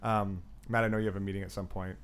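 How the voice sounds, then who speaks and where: A man's voice: deep voice, level tone, quick pace, clear, resonant tone. Hesitant male podcast host. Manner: hesitant, restarting sentences. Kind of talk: casual conversation.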